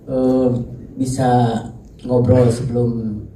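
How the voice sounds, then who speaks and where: A middle-aged man with a Sundanese accent, an actor answering at a press conference in a halting way. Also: medium pitch, flat delivery, dark tone. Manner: halting, slow, chuckling. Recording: distant echoey room, noisy.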